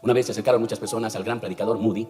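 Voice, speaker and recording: A man's voice: on the low side, steady tone, rapid-fire, mellow, big-room sound, faint music behind. A man preaching a sermon to his congregation, impassioned, acting out the voices he quotes. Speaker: pastor.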